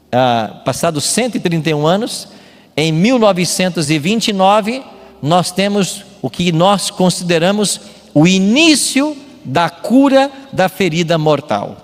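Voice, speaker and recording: A Brazilian man preaching a sermon as a pastor, didactic and emphatic, often posing rhetorical questions. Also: on the high side. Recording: long hall reverb with music behind. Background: music.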